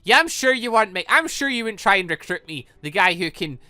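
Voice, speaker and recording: A bright, highly animated male voice in a casual let's play, recorded dry and close. He rambles playfully and reacts out loud to himself as he goes. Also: fast, no room sound, faint music behind. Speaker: gaming video host.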